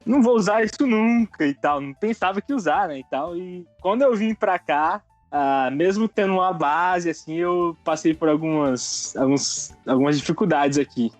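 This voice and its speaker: A man's voice: a little high, moderate pace, hardly any pauses, soft background music. A man chatting informally on a podcast, with a slangy, loose way of talking. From United States and Brazil. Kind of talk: casual chat.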